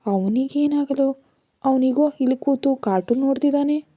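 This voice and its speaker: A woman voicing a gentle, puzzled mother on the phone, in a storybook reading. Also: high-pitched, normal speed, highs cut off, background noise, pitched above the performer's own voice, close to an everyday voice.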